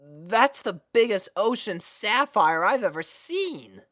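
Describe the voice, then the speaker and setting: A woman's voice: medium pitch, expressive, slow, a bit bright, no echo, studio quality, voice pushed up. A woman voicing a sweet, innocent young male dragon, earnest and a little hesitant, in a storybook reading. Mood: awed, grateful.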